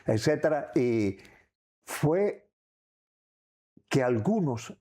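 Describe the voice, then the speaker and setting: An older man with a Cuban accent, giving reflective personal testimony as an interview guest, in halting, rambling phrases. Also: medium pitch, sing-song, dark tone. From Cuba. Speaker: interview guest recounting memories.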